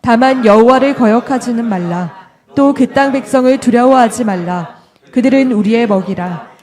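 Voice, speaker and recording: A woman reading a scripture passage aloud in a steady, measured way. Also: fairly high pitch.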